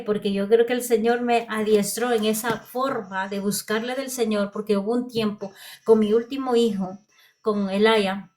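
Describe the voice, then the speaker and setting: A woman's voice: on the high side, a little mellow. Heartfelt woman giving a sermon testimony. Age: adult. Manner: heartfelt, repeats phrases. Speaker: preacher.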